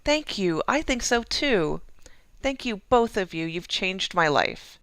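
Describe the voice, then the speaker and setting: A woman's voice: medium pitch, very animated, slow, fairly bright tone, no room sound, heavily acted. A woman playing an earnest, naive, quirky young woman in an audio drama. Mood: resolved. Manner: earnest, declarative.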